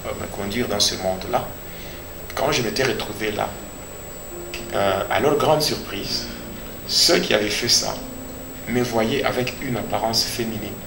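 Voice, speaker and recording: Low gravelly Congolese man, echoey noisy recording. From Democratic Republic of the Congo. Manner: deliberate, repeats phrases for emphasis. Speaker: pastor giving testimony. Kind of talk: personal religious testimony in an interview. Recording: echoey room with clear background noise.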